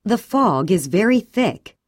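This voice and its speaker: A woman reads short English sentences for a language drill, each one clear and deliberate. Her intonation moves lively up and down. The sound is dry and close, with no room behind her. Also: mid-range voice, no echo. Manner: clear, even, deliberate reading. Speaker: English audio reader. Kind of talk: slow scripted English sentence reading for drills.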